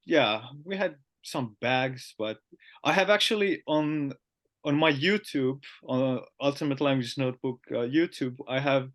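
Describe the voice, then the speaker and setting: A man with a Finnish accent, a podcast host talking casually and often pausing with fillers. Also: medium pitch. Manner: chatty, halting with frequent "uh" fillers.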